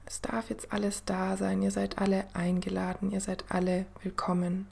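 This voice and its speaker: A woman host guiding a meditation in the soothing manner of a sleep story narrator, gentle and unhurried, with a soft, breathy voice that often drops to a near-whisper. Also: medium pitch, monotone. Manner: gentle, unhurried, with long pauses. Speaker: podcast host and meditation guide.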